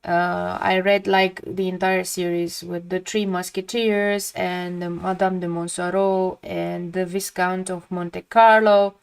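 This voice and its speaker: A woman's voice: on the low side, little pitch movement, measured pace, gravelly, few pauses, clean tone. A woman from Romania, speaking English as a second language, chatting casually and reflectively while she paints on a live stream, often trailing off mid-sentence.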